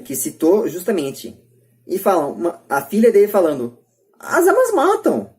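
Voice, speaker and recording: A woman's voice: medium pitch, huge pitch swings, normal speed, a little mellow. A Brazilian woman hosting a casual podcast debate, emphatic and often repeating or rephrasing her points. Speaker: podcast host.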